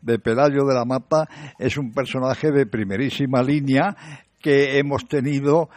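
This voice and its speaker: Halting man hosting radio, dry sound. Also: medium pitch, steady tone, a little mellow, dry recording. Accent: Spain. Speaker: radio show host. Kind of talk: live radio chat.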